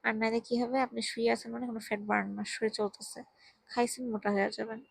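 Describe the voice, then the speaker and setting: A tired young woman, speaking very softly while lying down at home, giving casual health advice into a handheld mic. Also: on the high side, level tone, rapid-fire, gravelly, no echo, poor audio. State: tired, drowsy. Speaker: vlogger. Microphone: handheld microphone.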